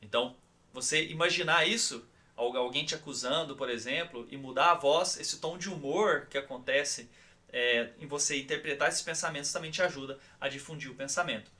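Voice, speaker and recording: A man with a Brazilian Portuguese accent giving a recorded online course lesson as instructor, speaking in a calm, guiding way and often checking in with his listeners. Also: a little high, a little fast.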